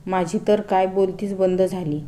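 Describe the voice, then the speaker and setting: A woman narrates a first-person family love story as a storyteller. She speaks in a calm, even manner, and her voice is mellow and warm. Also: medium pitch, moderate pace.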